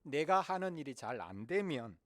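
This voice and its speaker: A man preaching a sermon as pastor, crying out in loud pleas and dropping to quiet, trailing line endings. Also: on the high side, big pitch swings, moderate pace, no echo.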